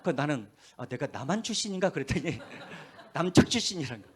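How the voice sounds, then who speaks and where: A pastor preaching a sermon, telling stories with a lively voice and dropping to quiet asides, with a faint Jeolla accent. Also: male voice, on the high side, brisk. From Korea, Gwangju. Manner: animated storytelling, drops to hushed asides. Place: church.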